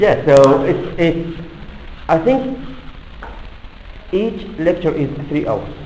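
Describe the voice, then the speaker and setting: A man is speaking. The room echo is audible and the background noise noticeable. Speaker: English teacher. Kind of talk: casual chat; lecture. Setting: classroom. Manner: slow; halting.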